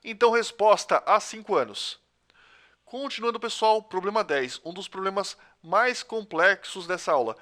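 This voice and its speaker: A man's voice: sits high, lively intonation, normal speed, pushed and bright. A man with a Brazilian Portuguese accent teaching a recorded math lesson, explaining step by step and talking straight to his students. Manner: patient step-by-step explaining, addresses students directly.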